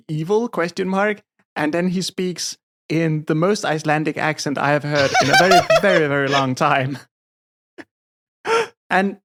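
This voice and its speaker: A woman co-hosting a comedy podcast, talking through a film in a rambling, irreverent way with quick asides. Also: deep voice. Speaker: podcast co-host. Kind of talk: casual comedic chat about a film.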